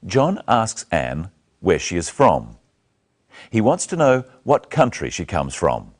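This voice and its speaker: Slow, low-voiced male English teacher. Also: huge pitch swings. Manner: slow, clear, carefully spoken. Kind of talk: scripted lesson narration. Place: small studio set, indoors. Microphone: lapel.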